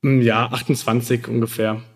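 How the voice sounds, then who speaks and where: A man in his thirties talks as a guest on a podcast. His voice sits at an average pitch, and he tells personal stories in a casual, conversational way. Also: little pitch movement, normal speed. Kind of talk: casual chat, telling childhood anecdotes.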